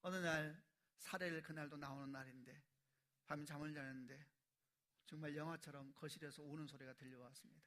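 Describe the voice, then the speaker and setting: A man in his forties, a pastor preaching a sermon, telling stories and building to loud emphatic peaks. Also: a little high, fairly even intonation, fairly quick. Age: 40s.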